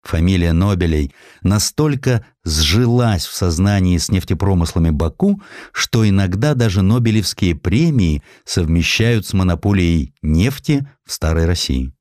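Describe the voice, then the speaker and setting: A low-pitched male narrator reads a historical sketch. His delivery is theatrical and very animated, as if telling a tale straight to the listener. The recording is dry and close. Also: moderate pace, no echo. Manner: theatrical storytelling, addresses the listener. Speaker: audiobook narrator.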